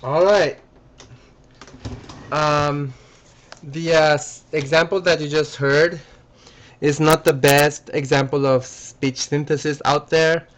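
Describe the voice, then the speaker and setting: A man giving a recorded lecture, halting and full of fillers and restarts. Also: a little high, fairly even intonation.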